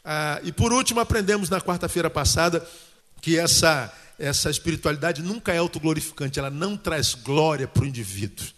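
A man preaches in a lively, colloquial way and keeps turning to the congregation with questions. His voice sits high and rings bright and forceful. Long reverb from the church hall trails behind him. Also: a little fast. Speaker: pastor. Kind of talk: sermon.

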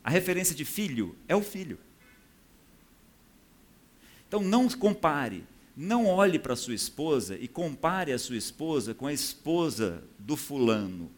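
Man preaching a conversational sermon. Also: on the high side. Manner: conversational, often checks in with the audience. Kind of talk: sermon teaching from scripture.

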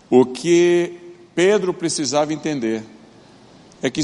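Older man from Brazil, pastor preaching, animated storyteller, long hall reverb. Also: fairly high pitch. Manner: storytelling, animated, acts out quoted voices. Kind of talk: sermon.

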